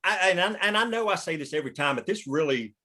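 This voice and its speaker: A man's voice: high-pitched, lively intonation, quick pace, bright, forceful tone. A man talking casually and emphatically as a screenwriter, explaining his thinking in a rambling way. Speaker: screenwriter leading a script table read. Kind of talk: casual discussion.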